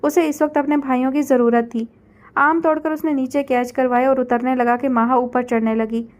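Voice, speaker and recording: Woman, high voice, novel reading, one narrator for all the dialogue. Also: steady tone. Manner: reads every character's dialogue in her own voice. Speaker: novel reader. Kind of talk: reading a romance novel aloud.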